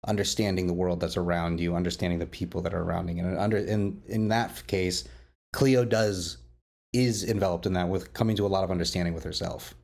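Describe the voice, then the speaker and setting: Enthusiastic, low-voiced male podcast host. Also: fairly even intonation, gravelly, darkish tone. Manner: enthusiastic, halting and repeating. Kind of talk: casual roundtable chat.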